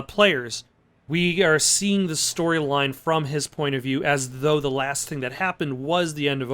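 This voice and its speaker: Hesitant man with a slightly high voice. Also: fairly bright tone, clean tone. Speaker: gameplay host. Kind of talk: casual game commentary.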